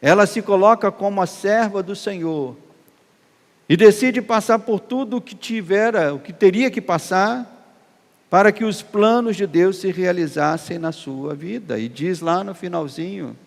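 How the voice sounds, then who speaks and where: A man with a Brazilian accent, preaching a sermon as pastor, emphatic and swelling loud on key phrases. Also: sits high, unhurried, gravelly. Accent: Brazilian Portuguese. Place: church hall. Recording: long hall reverb.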